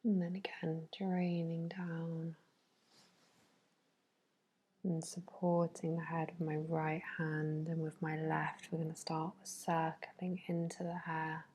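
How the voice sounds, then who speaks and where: A woman whispering a soothing, unhurried ASMR massage narration in a hushed, breathy bedtime voice. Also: deep voice, level tone. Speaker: facial massage therapist.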